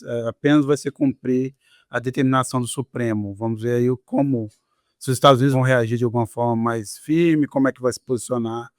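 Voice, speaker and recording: A man's voice: mid-range voice, darkish tone, dry recording, clean studio sound. A man with a Brazilian Portuguese accent hosting a political discussion in a conversational, wry manner. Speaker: host. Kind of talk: casual panel discussion.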